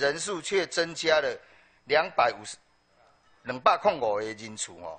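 In a Taiwanese accent, a man speaks slowly-ish, fairly high in pitch, with a bright, sharp tone, vocal fry, and long, frequent pauses. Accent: Taiwanese Mandarin. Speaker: county councilor. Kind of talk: council questioning. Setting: council chamber. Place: hall.

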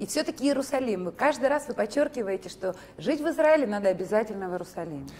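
The speech races along at a very fast pace with very wide pitch swings. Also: woman. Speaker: interviewer. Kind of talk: interview. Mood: lively, warm. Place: hall. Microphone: lapel.

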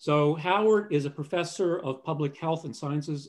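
Against a quiet background, a man speaks in a fairly high pitch with ordinary pitch variation. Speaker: interview show host. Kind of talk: interview. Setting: video call. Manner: hesitant, many fillers. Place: home room. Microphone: video call.

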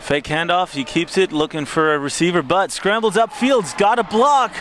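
There is noticeable background noise, but the sound is dry with no echo. A man speaks at a high pitch with lively intonation. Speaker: sports commentator. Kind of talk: live sports commentary. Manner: casual, chatty with co-commentator. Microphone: headset.

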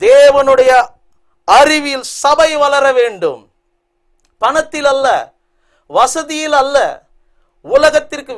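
On a very clean recording with a silent background, a man speaks at an extremely high pitch. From India, Chennai. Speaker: pastor. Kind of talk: sermon.

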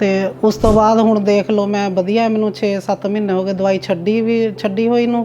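A woman keeps her intonation fairly even while noticeable background noise runs behind her. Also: medium pitch for a woman. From Ludhiana, Punjab, India. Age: 50s. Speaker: patient. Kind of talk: patient testimonial to camera. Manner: casual, conversational.

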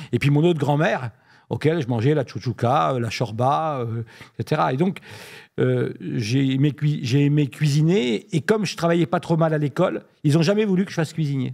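A man with an unremarkable speaking voice talks at a moderate pace in a fairly high pitch with lively intonation. The recording is very clean, with a silent background. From France, Blois. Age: 50s. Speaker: member of parliament. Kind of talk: political interview.

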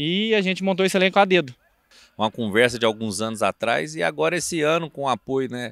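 A man's medium-pitched voice at a very fast pace with very wide pitch swings, dry and close with no echo, on a very clean recording with a silent background. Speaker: amateur football team organizer. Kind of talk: interview. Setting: outdoors.

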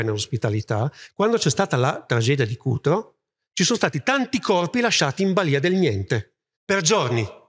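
A man speaks at a fairly quick pace in a somewhat breathy voice. His pitch swings very widely, and the background is quiet. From Piedmont, Italy. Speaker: linguist; speaker. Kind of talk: public talk at a festival. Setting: hall with live audience. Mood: impassioned, annoyed. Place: hall. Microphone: handheld.

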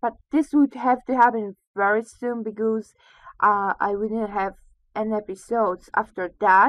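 A woman's intonation stays fairly even as she talks at a moderate pace. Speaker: gaming video creator. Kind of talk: casual vlog chat. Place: home room. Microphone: webcam.

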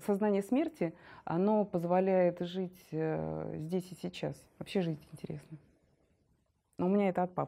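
A woman speaks fairly slowly at a fairly low pitch, with a dark, mellow tone. Her intonation is fairly even, broken by long, frequent pauses. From Siberia, Russia (Irkutsk, Bratsk); Siberia, Russia. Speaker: actress. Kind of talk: interview monologue. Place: studio.

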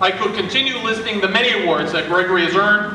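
A man speaks at a fairly quick pace in a raised, projected voice. Audible room echo and light background noise surround him. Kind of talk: formal ceremony introduction. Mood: warm, proud. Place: hall.

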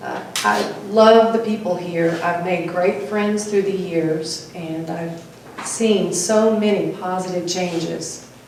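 A woman with an American accent speaks at a fairly slow pace with fairly even intonation. Room echo is audible, along with noticeable background noise. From Texas, Flower Mound. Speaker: mayoral candidate, software engineer. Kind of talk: candidate forum speech.

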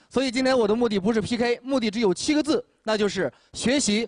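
Music plays behind a man who talks at a very fast pace in a high pitch with lively intonation, the sound dry with no echo. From Hebei, China. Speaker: wedding host and amateur crosstalk performer. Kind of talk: comic crosstalk performance on stage. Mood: happy, excited, polite. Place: stage. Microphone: handheld.

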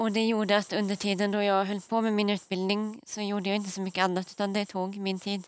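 A woman with monotone, flat intonation and hardly any pauses, in a dry sound with no echo and a quiet background. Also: fairly quick pace. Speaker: interview guest. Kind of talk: TV talk show interview. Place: studio. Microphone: lapel.

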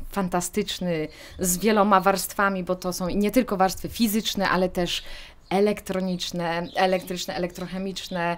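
The pace is moderate. A woman talks with monotone, flat intonation. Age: 40s. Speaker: astrobiologist and neuroscientist; interviewee. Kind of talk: interview. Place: studio. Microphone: studio mic.

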